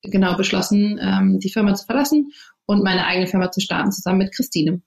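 A woman in her thirties speaks as an interview guest, her first language English. She talks in a thoughtful, searching way, filling pauses and restarting sentences. The recording carries a noticeable roomy echo. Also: mid-range voice, steady tone, creaky, a little mellow. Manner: thoughtful, many fillers and restarts. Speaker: interview guest, company founder. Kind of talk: casual interview talk.

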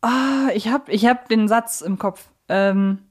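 A woman's voice: a little high, slow pace. A woman chatting casually as co-host of a fan quiz podcast.

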